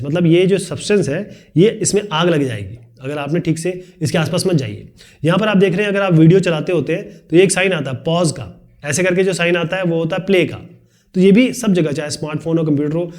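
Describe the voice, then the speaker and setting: A man teaching a video lesson, explaining quickly and chattily with joking asides. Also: high voice, darkish tone. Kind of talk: fast classroom video lesson.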